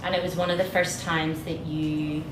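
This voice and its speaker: A woman hosting an informal exhibition tour, talking in a relaxed, conversational, slightly hesitant way. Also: low voice, moderate pace. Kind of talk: informal public talk. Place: indoor gallery space. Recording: echoey room, distant mic, noisy.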